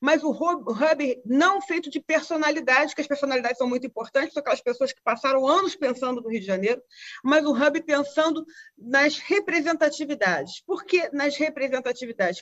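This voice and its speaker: Against a quiet background, a woman with a high voice talks at a moderate pace with ordinary pitch variation. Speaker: tech entrepreneur and academic. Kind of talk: short speech in a meeting. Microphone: video call.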